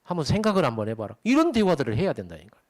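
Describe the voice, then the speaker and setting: Lively, animated male pastor preaching. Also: fairly high pitch, rapid-fire. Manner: animated, conversational preaching with rhetorical questions. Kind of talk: sermon.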